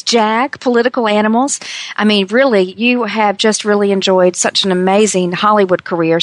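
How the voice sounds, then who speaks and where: A woman's voice: medium pitch, no echo. A woman hosting a radio interview, asking polished questions and praising her guest. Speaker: radio show host.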